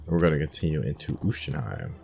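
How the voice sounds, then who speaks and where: A man's voice: extremely low pitch, sing-song, quick pace, gravelly, dark tone, soft background music. A man giving casual gameplay commentary as host of a playthrough, hesitant and thinking aloud. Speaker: gamer hosting a playthrough.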